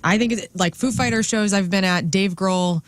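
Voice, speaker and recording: A man's voice: sits high, normal speed, a bit bright. A man co-hosting a radio show, talking enthusiastically and earnestly in casual chat. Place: radio studio.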